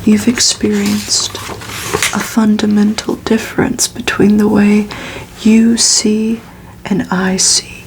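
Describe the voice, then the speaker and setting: Female ASMR reader: whispered, even, slow storybook delivery with a crackly edge, faint ambient noise. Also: medium pitch. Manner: hushed, unhurried, soothing whisper. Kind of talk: whispered ASMR audiobook reading.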